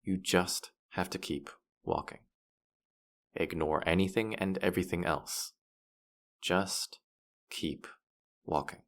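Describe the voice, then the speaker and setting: A man's voice: low-pitched, steady tone, takes it slowly, long pauses, a bit bright. A man playing a teasing, boastful demon who guides souls through the afterlife in a roleplay audio drama, condescending and playful. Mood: coaxing, guiding.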